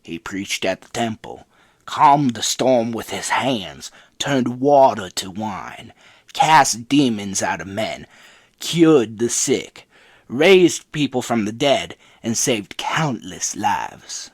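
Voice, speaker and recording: A man voicing the Archangel Michael as a solemn, grave angel narrating the history of creation in a measured, scripted dramatic style. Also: mid-range voice, animated, no room sound.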